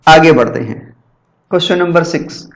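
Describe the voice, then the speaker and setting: A male lecturer going through exam-prep questions, asking and answering his own questions and reading English question text slowly. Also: on the high side, creaky.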